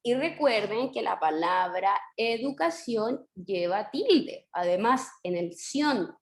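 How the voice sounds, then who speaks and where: Encouraging Chilean teacher on a video call. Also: female voice, mid-range voice, expressive, roomy sound. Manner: patient, encouraging, drawn-out stressed syllables. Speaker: primary school teacher. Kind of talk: online class teaching.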